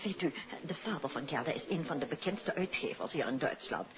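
Casting: worried, courteous boutique madame, expressive and emphatic; dull 1950s radio-drama sound. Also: female voice, sits low, fairly quick. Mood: confiding. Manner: hesitant, formal, emphatic. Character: worried, polite German fashion shop proprietress, Madame Klein. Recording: muffled 1950s radio recording with background chatter.

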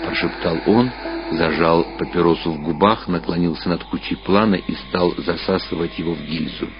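A man reading literary fiction aloud as a narrator, with measured, expressive dramatic storytelling. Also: low-pitched, slight background noise. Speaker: audiobook narrator. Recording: muffled radio-style sound, music behind. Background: clear background music.

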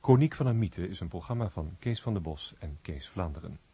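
A man's voice: low-pitched, lively intonation, brisk, dark tone, breathy edge. A man reading a scripted radio announcement and programme credits. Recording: dull muffled radio recording.

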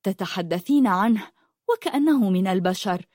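A woman voicing a kind young woman who asks gentle questions. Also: medium pitch, lively intonation, normal speed, no room sound, studio quality, close to an everyday voice.

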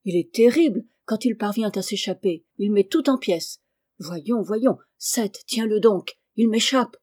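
Storybook gentleman, sly and soothing, read by a woman, warm low tone. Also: unhurried, dry recording, studio quality, close to an everyday voice. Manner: soothing, reassuring. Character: calm, scheming gentleman soothing a friend.

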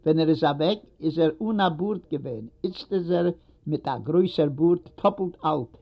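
A man voicing a patient elderly rabbi who questions gently but insistently. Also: on the high side, expressive, moderate pace. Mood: coaxing. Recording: dull lo-fi recording.

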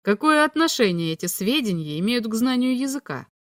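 A woman's voice: fairly high pitch, big pitch swings, brisk, no echo, studio quality. A woman reading an audiobook, voicing a curious, skeptical man who questions a stranger in a plain, questioning way. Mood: puzzled questioning. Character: curious skeptical male earthling narrator-fisherman.

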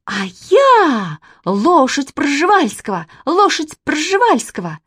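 A woman playing touchy little girl Katya, shrill. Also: expressive, measured pace. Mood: shouting. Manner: shrill, offended shouting.

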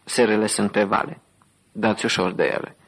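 A lanky young gas attendant gives directions in an obliging way, as a male audiobook reader puts him on. The voice stays low and husky with a gravelly grain. Its pitch barely moves. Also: steady tone. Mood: helpful. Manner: obliging, helpful.

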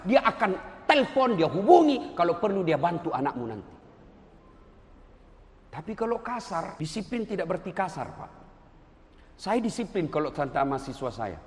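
A middle-aged male preacher, giving a lively, humorous sermon that swings from loud exclaiming to low storytelling asides. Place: large hall before an audience. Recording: echoey hall, faint background noise.

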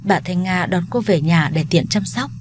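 A woman narrating a family drama story in a steady, somber scripted telling. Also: fairly low pitch, moderate pace, background noise.

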